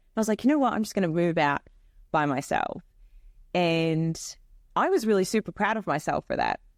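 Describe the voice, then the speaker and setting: A woman with an Australian accent speaks at a medium pitch and a fairly quick pace, her intonation lively and broken by long, frequent pauses, in a very clean, dry, close recording with no echo and a silent background. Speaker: entrepreneur. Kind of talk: interview.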